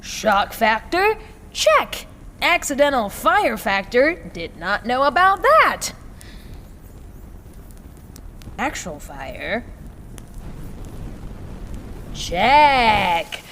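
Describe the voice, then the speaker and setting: A woman playing a brisk, sardonic heist planner who mutters through checklists to herself in an audio drama. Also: a little high, very animated, pushed and bright, exaggerated voice. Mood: brisk, frazzled. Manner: muttering checklist, sarcastic asides. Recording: reverberant room, clear background noise.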